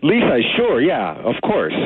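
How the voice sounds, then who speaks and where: A man calling in by phone, talking in a hesitant, halting way with awkward pauses. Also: on the high side, wildly swooping pitch, a crowd in the background. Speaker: caller. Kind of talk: phone conversation with radio hosts. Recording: tinny phone line.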